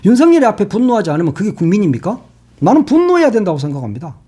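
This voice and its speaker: A man hosting a casual political commentary monologue, heated and mocking, swearing freely and swinging between shouting and muttering asides. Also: high-pitched, huge pitch swings, racing, slightly rough. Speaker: political commentary channel host.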